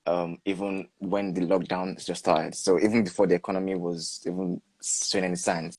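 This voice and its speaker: A man in his twenties, a PhD student, talking in a relaxed conversation and deliberately stressing his key words. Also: low voice, no echo. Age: 20s. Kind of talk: casual conversation.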